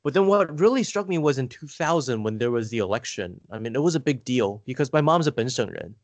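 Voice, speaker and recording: A man's voice: mid-range voice, lively intonation, fast, no room sound. An American man chatting casually as a guest, rambling and hesitant with lots of "like" fillers. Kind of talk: casual conversation.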